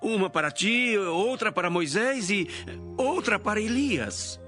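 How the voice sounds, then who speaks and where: A man acts out an earnest disciple in an audio Bible drama. He speaks slowly and deliberately in a high male voice, swinging expressively in pitch over faint music. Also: lively intonation, pushed and bright, heavily acted. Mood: eager, awed.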